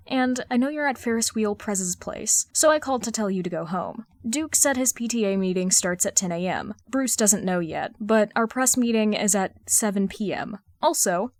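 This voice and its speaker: A woman's voice: mid-range voice, no room sound, studio quality, natural voice. A woman voicing a teenage boy's quoted message in a story reading, insistent and cajoling.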